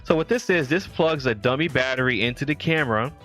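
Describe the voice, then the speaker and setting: Loose, chatty male streamer with a mid-pitched voice; talks through his setup and reads the chat, faint music underneath. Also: lively intonation, quick pace, a bit bright. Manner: loose and rambling, reads chat aloud and answers viewers. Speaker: live streamer. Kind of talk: casual live-stream tech chat. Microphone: streaming mic with audio filters.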